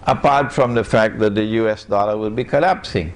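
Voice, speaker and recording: A man's voice: lowish voice, fairly quick. A man from Trinidad and Tobago, giving a public lecture in an emphatic way and putting rhetorical questions to his audience.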